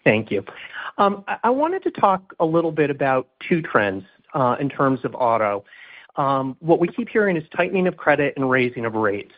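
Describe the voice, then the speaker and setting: A man's voice: medium pitch, very animated, moderate pace. Male analyst on a thin phone line. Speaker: financial analyst. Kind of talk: asking questions on an earnings call.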